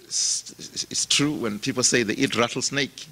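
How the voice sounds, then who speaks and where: A man from Zimbabwe preaching a sermon in a slow, emphatic style, his voice rising and dropping for effect. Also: medium pitch, pushed and bright.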